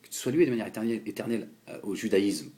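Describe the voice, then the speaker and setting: A young French man giving a heated political monologue, halting and repeating words as he addresses a politician directly. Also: on the low side, dark tone. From France. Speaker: political commentator.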